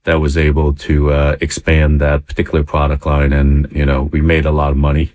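Deep-voiced man from Vietnam, chatty guest. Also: completely flat delivery, brisk, a little mellow, no room sound, studio quality. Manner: conversational, many fillers, chuckles now and then. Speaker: interview guest, business owner. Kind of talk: casual interview storytelling.

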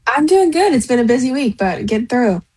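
A woman's voice: a little high, big pitch swings, a little fast, darkish tone, breathy edge. A young woman on a radio show, upbeat about her week and her studies.

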